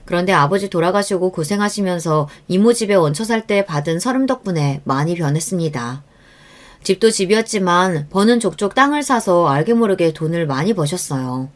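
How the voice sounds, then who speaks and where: A woman's voice: fairly low pitch, lively intonation, a little fast. A woman narrating a first-person true-life story, reflective in tone.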